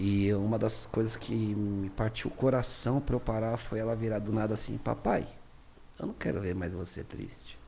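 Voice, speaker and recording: Over light background noise, a man speaks at a fairly slow pace with a fairly low pitch, a dark, mellow tone and fairly even intonation. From São Paulo city, Zona Norte; São Paulo, Brazil. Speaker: entrepreneur, former drug addict; podcast guest. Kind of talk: casual interview testimony. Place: studio. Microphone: studio mic.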